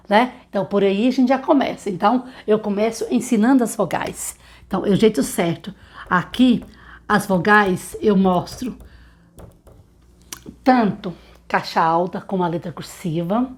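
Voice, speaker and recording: A woman teaching a literacy lesson for teachers, often acting out phonics questions to children in an animated voice. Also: mid-range voice.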